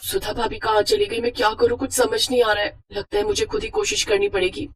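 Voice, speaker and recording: A woman voicing a timid young new bride who speaks high and tearfully, close to crying, in an animated storybook. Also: brisk. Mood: worried.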